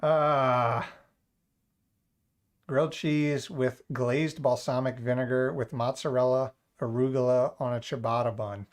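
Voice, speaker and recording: A man's voice: mid-range voice, fairly even intonation, unhurried. A man hosting a casual livestream, joking and rambling to his chat. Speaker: livestream host.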